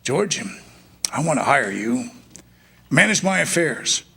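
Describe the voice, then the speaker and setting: A sly, domineering rich old man from an old radio play. The voice is high for a man and gravelly, with a sharp edge. He wheedles and condescends, impatient to get his way. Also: big pitch swings, slow pace, full character voice. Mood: coaxing. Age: older. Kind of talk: staged 1940s radio drama acting.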